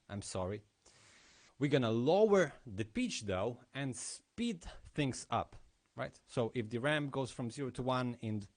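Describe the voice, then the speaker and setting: A man speaking at a conference, giving a technical lesson with explanatory commentary on live demos. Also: medium pitch.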